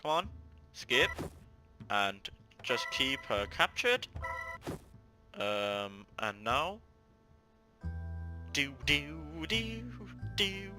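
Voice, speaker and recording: Male let's player, middle-pitched, expressive and exclaiming, with clear game music underneath. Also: drawn-out words, pauses often. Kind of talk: excited gameplay commentary.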